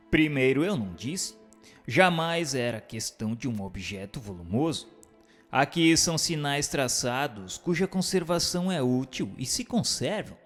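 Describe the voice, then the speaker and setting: A man giving a formal, declamatory scripted reading as a narrator, in a question-and-answer style. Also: medium pitch. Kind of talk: scripted dramatized reading of a spiritist book.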